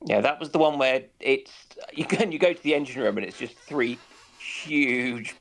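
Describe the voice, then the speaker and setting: A man in casual discussion on a naval history stream, speaking haltingly with dry humour. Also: medium pitch, gravelly, a bit bright, slight background noise. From United Kingdom.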